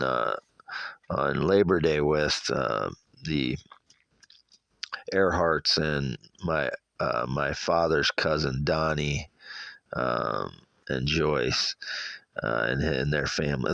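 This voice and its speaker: A middle-aged man with a Midwestern American accent and a gravelly, allergy-congested voice, rambling through a personal monologue in a halting, repetitive way. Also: a bass voice, fairly bright tone, no room sound. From Iowa, United States. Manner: halting, repetitive, self-correcting.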